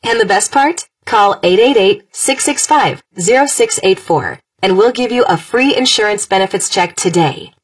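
A woman's voice: mid-range voice, expressive, measured pace, hardly any pauses, no echo, far from the mic. Persuasive female ad voice, dry sound. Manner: smooth, persuasive sell, repeating the number. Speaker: ad announcer. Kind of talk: scripted radio commercial.

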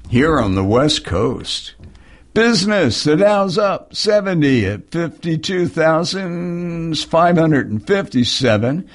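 A male newscaster reads headlines, traffic and markets slowly and steadily into a studio microphone. His voice sits a little high for a man. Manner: measured, steady news delivery. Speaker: radio newscaster. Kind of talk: news reading. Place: radio studio.

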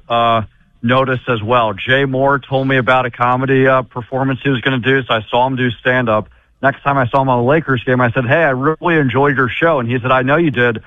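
A man talking as an NBA insider with a loud voice, telling stories in casual radio chat. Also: mid-range voice, no room sound, narrow, tinny audio. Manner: loud voice, storytelling.

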